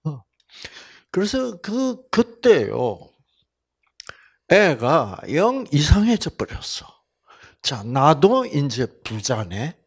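A man's voice: fairly high pitch, wildly swooping pitch, very slow, breathy edge. Older man. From Korea (Busan). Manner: folksy storytelling, swings between loud exclamations and soft asides. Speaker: health seminar lecturer. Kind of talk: Bible lecture with personal testimony.

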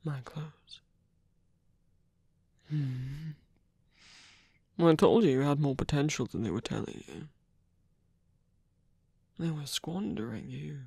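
A man playing a tired, wounded villain softening toward a lover in an intimate ASMR roleplay, breathy and hesitant, often half-whispering close to the mic. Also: fairly high pitch, no echo, heavily acted. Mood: curious, probing. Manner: hesitant, halting, with long pauses and sighs. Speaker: ASMR voice actor. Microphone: close microphone, dry.

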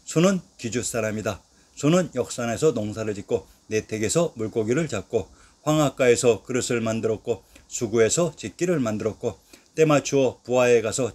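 A man narrates a history lesson from a script, in a voice of ordinary middle pitch. He recites old place names one after another in a steady, measured way, letting each list drop at the end. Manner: steady recited delivery, lists of names with a falling close.

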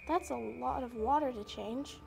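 This is a little lost puppy dog in a children's puppet show, voiced by a woman. The voice sits high, sweet and innocent, with a childlike openness. Soft music plays faintly behind. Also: a little slow, gravelly.

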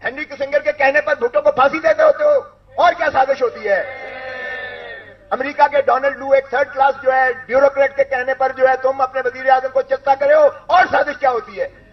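A man's voice: very high-pitched, highs cut off. A man, a lawyer, giving a fiery political speech full of indignant rhetorical questions.

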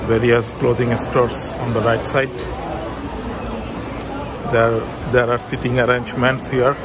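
A man giving a walking tour of a shopping mall, pointing out shops in plain, halting sentences with fillers. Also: mid-range voice, little pitch movement. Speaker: travel vlogger. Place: busy shopping mall, indoors. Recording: loud crowd and mall noise behind.

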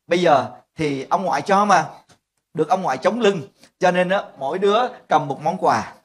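High-voiced older pastor. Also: male voice, normal speed. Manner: lively storytelling, acting out family quarrels in voices. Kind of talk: sermon.

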